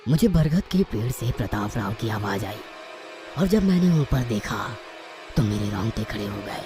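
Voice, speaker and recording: A man's voice: lowish voice, big pitch swings, moderate pace. A man narrating a scripted first-person horror story in a dramatic manner. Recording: loud music over the voice. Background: loud music.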